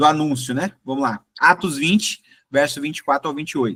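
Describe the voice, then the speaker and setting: The man speaks with lively intonation. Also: dry, close sound with no echo. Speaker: Bible class teacher. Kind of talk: Bible lecture. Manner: fast; animated.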